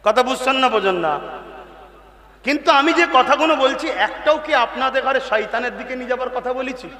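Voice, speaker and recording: A man preaching an impassioned sermon, shouting and firing rhetorical questions at the crowd. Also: extremely high pitch, a little fast, slight background noise. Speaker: Islamic preacher. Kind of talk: fiery open-air sermon. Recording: echoey loudspeaker sound with long reverb.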